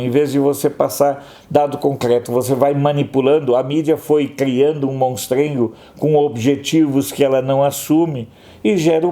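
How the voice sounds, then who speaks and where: A man's voice: mid-range voice, warm tone. A man commentator reading through newspaper headlines and adding sarcastic, opinionated asides. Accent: Brazilian Portuguese. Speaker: news commentator.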